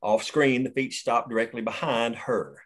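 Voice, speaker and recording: A man's voice: mid-range voice, steady tone, normal speed, fairly bright tone. A man reading the stage directions of a screenplay steadily at a table read.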